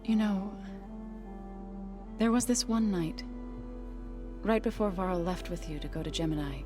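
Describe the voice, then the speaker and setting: An actress playing a gentle, devoted tribal woman warrior in a video game, soft-spoken, solemn and reflective, with deliberate, formal phrasing. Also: on the low side, close to an everyday voice. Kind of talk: video game cutscene acting.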